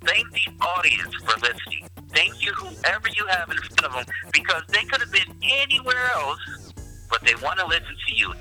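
A man's voice: high-pitched, sing-song, normal speed, bright, forceful tone, soft background music, rough recording. A man co-hosting a podcast, emphatically giving practical tips. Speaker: podcast co-host. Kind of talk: casual podcast chat.

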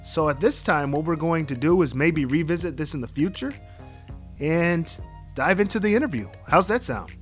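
A man's voice: on the high side, lively intonation, moderate pace, soft background music. A man hosting a podcast, giving earnest advice and welcoming a guest. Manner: earnest, encouraging, gives advice. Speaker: podcast host. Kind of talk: casual podcast chat and interviewing.

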